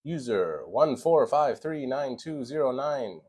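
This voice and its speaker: A man's voice: medium pitch, animated, unhurried, a little mellow, husky. An American man from Chicago, an English teacher, chatting casually on a live stream and greeting viewers by name with many fillers. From Chicago, USA.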